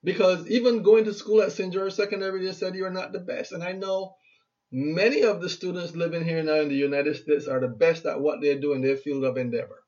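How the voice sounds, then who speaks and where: A man's voice: sits high, fairly even intonation, brisk, a little mellow. A Barbadian man in his fifties giving an earnest motivational talk as a speaker and radio host, urging listeners and repeating himself for emphasis. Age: 50s. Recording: muffled lo-fi recording.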